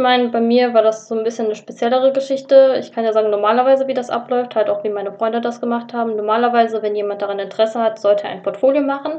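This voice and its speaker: A woman with a fairly high pitch talks at a very fast pace with hardly any pauses. Her intonation stays fairly even over noticeable background noise. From Germany. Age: 20s. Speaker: student and entertainment trainee. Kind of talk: casual interview. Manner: casual, filler-heavy.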